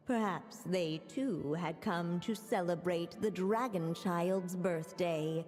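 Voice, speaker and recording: A calm storybook narrator with a lowish voice. She speaks very slowly in a long, echoing reverb over gentle music. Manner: slow, measured.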